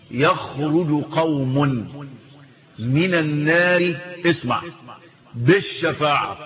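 A man with an Egyptian Arabic accent giving a religious lesson, asking the listener rhetorical questions and drawing out quoted words slowly. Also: on the high side, muffled recording. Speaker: Islamic scholar teaching.

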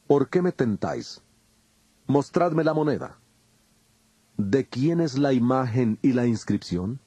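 A man's voice: mid-range voice, expressive, takes it slowly, mellow, slightly rough, no echo. An actor playing Jesus in a dramatized audio Bible, a grave, authoritative male teacher who speaks in a solemn, declamatory way. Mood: stern, authoritative. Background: music.

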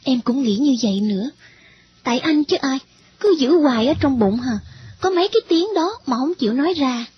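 Woman doing a teasing young wife, high voice, muffled recording. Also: animated, fairly quick, husky, full character voice. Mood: playful. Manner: coaxing, teasing. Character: affectionate, playful young wife. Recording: dull lo-fi recording.

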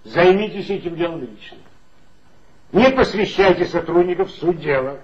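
A fussy insistent police chief. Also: male voice, high voice, lively intonation, normal speed. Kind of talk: 1960s Soviet radio play acting. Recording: dull 1960s studio recording.

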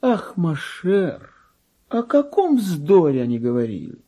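A man's voice: on the high side, huge pitch swings, warm tone, exaggerated voice. A man voicing a gossipy, affected little female pet dog in a theatrical, chatty reading of a classic story. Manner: chatty, mannered, exclamatory, drawn-out emphasis.

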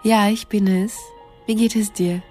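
A woman acting a long-distance sweetheart in a radio play. She speaks gently and politely in a mid-pitched voice, sweet and solicitous, with music behind her. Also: fairly even intonation, measured pace, lightly acted. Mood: gentle, affectionate. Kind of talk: radio drama dialogue.

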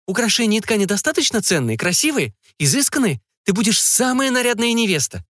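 A man voicing a fussy, excitable middle-aged mother who fires off anxious questions. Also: sits high, a little fast, dry recording, clean studio sound, voice pushed up, full character voice. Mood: prying. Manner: fretful, breathless questioning.

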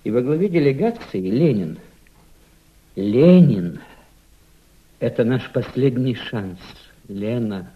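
An actor in a Russian radio drama playing an embittered, fervent White émigré conspirator, theatrical, insistent and persuasive. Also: male voice, mid-range voice, animated, slow, long pauses. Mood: fervent, bitter. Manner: theatrical, insistent, emphatic repetition. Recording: dull, lo-fi old radio play recording.

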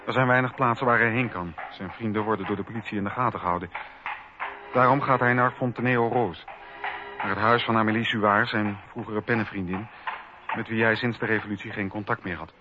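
A man's voice: fairly low pitch, fairly even intonation, a little fast. A man narrating a documentary radio drama from a script. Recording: dull lo-fi radio recording. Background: music.

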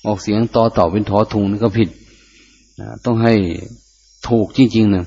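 Older monk chanting and explaining, mellow tone. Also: male voice, on the low side, steady tone, normal speed. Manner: chants Pali phrases, then explains plainly. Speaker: Buddhist monk teacher. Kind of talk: dhamma talk teaching Pali chanting. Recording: muffled lo-fi recording.

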